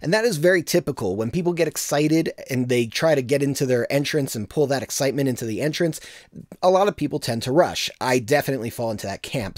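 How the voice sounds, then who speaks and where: A man with a bit of gravel in his voice, teaching vocal production in a casual, self-deprecating tutorial on a studio microphone. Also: medium pitch, dry recording. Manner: relaxed, self-deprecating explainer.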